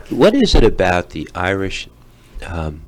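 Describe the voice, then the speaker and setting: Male radio host, very deep voice, relaxed and conversational. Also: slow. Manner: relaxed, chatty with many ums. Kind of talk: casual radio interview.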